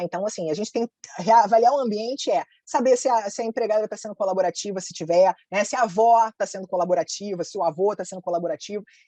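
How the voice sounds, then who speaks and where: The sound is dry and close with no echo. A woman speaks fairly quickly at a fairly high pitch with lively intonation. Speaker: nutritionist teaching a course. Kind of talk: online lecture. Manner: fast.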